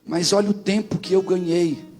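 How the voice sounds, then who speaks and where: Brazilian pastor guy preaching, high voice, gets loud and shouty, quiet guitar behind. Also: moderate pace. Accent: Brazilian Portuguese. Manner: animated storytelling, swings into shouting climaxes. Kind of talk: sermon.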